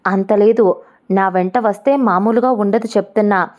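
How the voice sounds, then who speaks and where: A woman voicing a proud, angry young woman who speaks in a sharp, taunting, defiant way. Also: medium pitch, moderate pace, close to an everyday voice.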